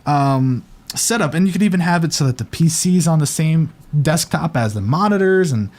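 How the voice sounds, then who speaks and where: A chatty male host with a slightly higher voice and a faint lisp from his retainer. He talks casually and hesitantly, with frequent ums, as he reviews desk setups. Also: animated, normal speed, darkish tone. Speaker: show host.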